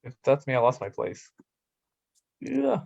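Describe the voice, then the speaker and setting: A man's voice: medium pitch, huge pitch swings, a little slow, vocal fry, a little mellow, no room sound, highs cut off. A man doing an amateur staged reading of wrestling promos, with casual asides, over an online call.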